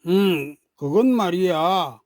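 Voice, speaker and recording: A woman playing a gentle mother in a children's story, affectionate and patient as she explains her new resolve. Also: fairly low pitch, expressive, slow, dry recording, clean studio sound. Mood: explaining. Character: gentle mother newly resolved to get in shape.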